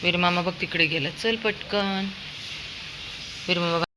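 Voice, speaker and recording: A woman's voice: fairly low pitch, measured pace, background noise. A woman chatting casually while walking a dog outdoors on a sunny street, calling out in a coaxing, sing-song way to a toddler and the dogs. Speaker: dog owner vlogger.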